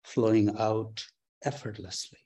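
A man leading a guided breathing meditation, giving slow, calm, soft instructions with long pauses. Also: lowish voice, breathy edge. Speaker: meditation teacher. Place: temple or meditation hall.

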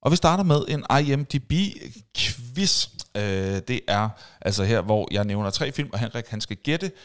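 Man, podcast host, casual storytelling, animated, acts out sound effects. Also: medium pitch, clear, resonant tone.

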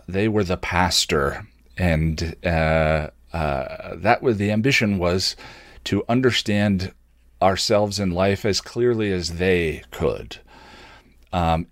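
Male host, lower register, reflective and candid first-person monologue with thoughtful halts; close, dry sound. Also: no room sound. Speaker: host of an online show.

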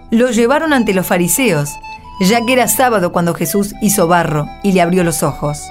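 A woman narrating a dramatized radio story from a script. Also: medium pitch. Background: music.

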